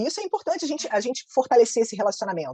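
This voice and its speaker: A woman's dark, mellow voice with very wide pitch swings, dry and close with no echo. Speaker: nutritionist teaching a course. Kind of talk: online lecture. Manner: fast.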